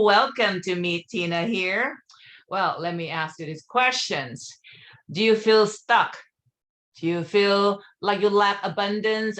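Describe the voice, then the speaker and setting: A woman's voice: mid-range voice, a bit bright. A woman hosting a casual interview, upbeat and playful, asking several questions in a row. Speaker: host.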